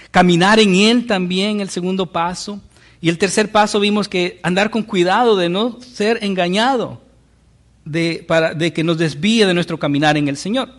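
A man preaching a sermon as pastor, teaching with rhetorical questions. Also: sits high.

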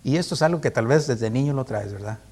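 A man with a husky, slightly breathy voice and a middle-pitched tone, teaching a sermon like a relaxed talk. He keeps asking his listeners rhetorical questions, checks in with them again and again, and chuckles as he goes. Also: fast. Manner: rhetorical questions with frequent tag questions; chuckles often while teaching. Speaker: preacher. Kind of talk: conversational Bible teaching.

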